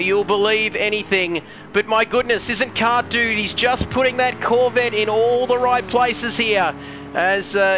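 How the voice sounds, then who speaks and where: A man's voice: high-pitched, background noise. A man commentating a sim racing live stream, chatty and joking as he reads out viewer comments. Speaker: race commentator.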